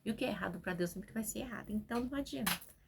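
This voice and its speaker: A woman's voice: mid-range voice, very fast, gravelly, breathy edge. A woman in her forties, a preacher, speaking from home and giving a spontaneous, talkative testimony sermon that is full of "né?". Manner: spontaneous, talkative, keeps adding "né?".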